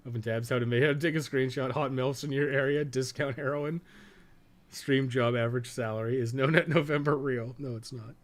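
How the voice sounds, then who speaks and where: A man's voice: mid-range voice, steady tone, a little fast. Casual, sweary man rambling through game commentary. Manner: rambling, thinking aloud; profane, slangy, joking. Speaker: game guide streamer and podcast host. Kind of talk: casual live-stream gaming commentary.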